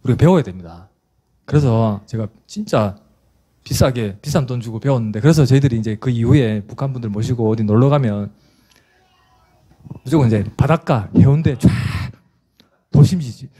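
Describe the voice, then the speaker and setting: A middle-aged man, a pastor preaching and telling a story in an animated way, with frequent restarts. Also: medium pitch, moderate pace, long pauses, husky. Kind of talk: sermon with storytelling.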